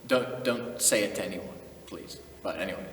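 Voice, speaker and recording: A man's voice: deep voice, moderate pace, fairly bright tone, far from the mic. A young man from the United States, chatting casually on his own video channel, laid-back and chuckling often. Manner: laid-back, chuckling, drops in Afrikaans phrases. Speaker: channel host. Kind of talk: casual vlog talk. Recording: echoey room, voice from off-mic, faint noise.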